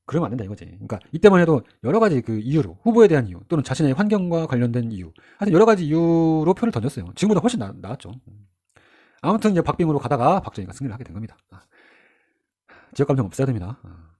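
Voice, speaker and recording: Middle-aged male lecturer, mellow husky tone, brisk conversational exam-prep delivery. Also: mid-range voice, big pitch swings. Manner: chatty, asks the listener rhetorical questions, acts out quoted figures. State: sore throat. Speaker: history lecturer.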